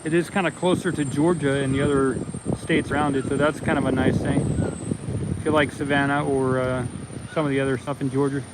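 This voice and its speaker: A man's voice: medium pitch, little pitch movement, a little fast. A man hosting a casual livestream outdoors, chatting loosely with viewers and reading their comments aloud. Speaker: livestream host. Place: outdoors near a launch site. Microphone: iPhone, built-in mic. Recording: loud wind noise on phone mic. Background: wind and vehicle noise.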